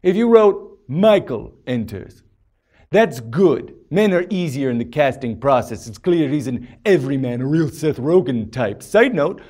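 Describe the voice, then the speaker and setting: A man's voice: medium pitch, lively intonation, measured pace, a little mellow. A man playing a smug, sleazy male Hollywood screenwriter, self-satisfied and instructive in an awards speech. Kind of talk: comedy character monologue.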